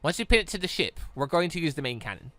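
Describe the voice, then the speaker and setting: A man hosting a let's play, reading visual novel dialogue aloud in an animated way and reacting excitedly as he goes. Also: on the high side, fast, dry recording, faint music behind. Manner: animated, stumbles while reading and exclaims at the story.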